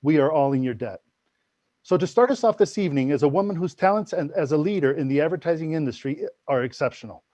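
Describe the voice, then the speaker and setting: Mellow male host, dull dry sound. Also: on the high side, no room sound. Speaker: awards show host. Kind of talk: scripted presenting.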